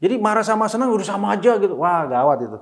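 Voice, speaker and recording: Rapid-fire and high-pitched, a middle-aged single father talks casually in an interview. English phrases pepper his speech, and he becomes animated when recounting his children's words.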